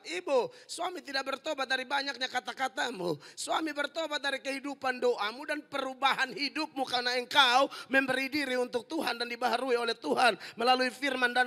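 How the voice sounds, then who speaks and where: Pastor guy preaching hard, high gravelly voice, bright edge, big echoey church hall. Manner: forceful preaching with humor, rising to shouts. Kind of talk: fiery sermon. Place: large indoor church hall. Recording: long hall reverb in large church.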